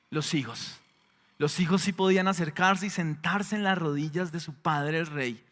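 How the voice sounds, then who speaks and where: A man preaching a sermon as pastor, dramatic, swinging between loud exclamations and hushed lines. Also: a little high. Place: church hall. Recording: long hall reverb.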